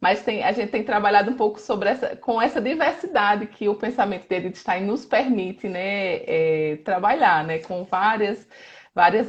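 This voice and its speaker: Speaking at a moderate pace, a woman of medium pitch sounds somewhat breathy, with lively intonation. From Brazilian Northeast, Campina Grande, Paraíba. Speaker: live stream host, interviewer. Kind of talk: casual interview. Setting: online live stream.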